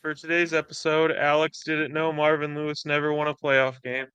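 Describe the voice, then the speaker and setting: Bright, clear-voiced man, wry podcast banter. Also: on the high side, completely flat delivery, normal speed, no echo. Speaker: podcast co-host. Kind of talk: casual sports podcast banter.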